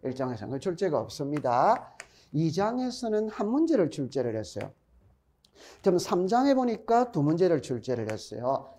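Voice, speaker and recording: A man's voice: on the high side, big pitch swings, moderate pace, mellow. A middle-aged man with a Gyeongsang accent gives an exam-prep lecture, chatty, repeating key points and quizzing his students. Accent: Gyeongsang Korean. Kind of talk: recorded classroom lecture.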